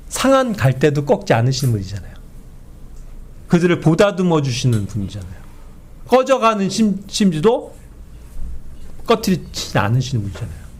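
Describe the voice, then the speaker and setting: A man teaching a Bible study in an animated way, who keeps asking his listeners to agree and acts out quoted speech. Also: fairly high pitch. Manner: animated, often asks the group for agreement.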